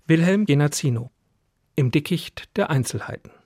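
Higher-voiced male announcer, dry studio sound. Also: lively intonation, a little mellow, slightly rough, no room sound. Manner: measured, formal read delivery. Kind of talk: scripted radio introduction.

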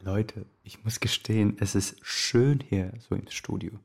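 A man's voice: fairly low pitch, fairly even intonation, unhurried, gravelly, background noise. A man playing a radio host, chatting in an informal, confiding way. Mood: casual, confiding. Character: casual, candid Serbian-German male radio host. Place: radio studio.

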